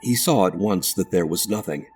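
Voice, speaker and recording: A man narrating a ghost story audiobook in a measured, deliberate way. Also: low voice, a little mellow, slightly rough, faint music behind.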